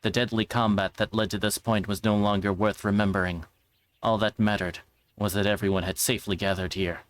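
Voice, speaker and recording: A man's voice: lowish voice, little pitch movement, a little fast. A man reading a visual novel aloud as a livestreamer, now and then stumbling and rereading. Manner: stumbles over words and rereads them.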